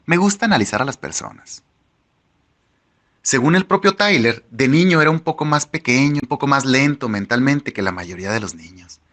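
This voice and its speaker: A man narrating an audiobook in the first person, with wry, animated storytelling. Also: medium pitch, normal speed.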